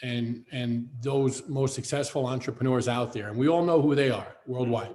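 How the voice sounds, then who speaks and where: A medium-pitched man with an American accent. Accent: Brooklyn accent, usually held back. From New York, Brooklyn. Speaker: business executive. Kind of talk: podcast interview.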